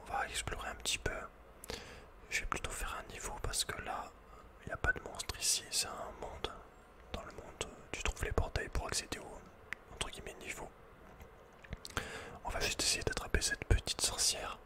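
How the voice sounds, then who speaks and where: A man's voice: normal speed, long pauses. A man whispering breathily as an ASMR host playing a video game, chatting informally with playful asides.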